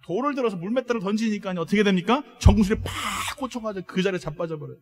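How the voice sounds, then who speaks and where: Man, pastor, high voice, emphatic sermon, soft to loud swings, calls for responses. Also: animated, fast.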